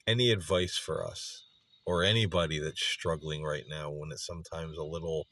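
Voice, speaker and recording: Middle-aged male host, very low voice, dry close sound, earnest and halting reflective delivery. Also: fairly even intonation, sharp tone, no echo. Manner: halting, pausing mid-sentence, earnest. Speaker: spirit box session host. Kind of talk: slow reflective monologue addressed to a spirit.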